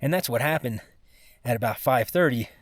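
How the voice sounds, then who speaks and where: A man giving a casual first-person vlog monologue, sounding exhausted, with a weary, halting, rambling way of talking. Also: mid-range voice, expressive, no room sound, studio quality. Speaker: mountain climber recording a personal expedition vlog.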